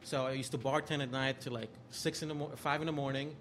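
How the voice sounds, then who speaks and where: Here the Austrian-accented A&R guest speaks quickly in a mid-range, fairly bright voice with fairly even intonation. Slight background noise and music sit behind him as he recounts his story in a relaxed, self-deprecating interview.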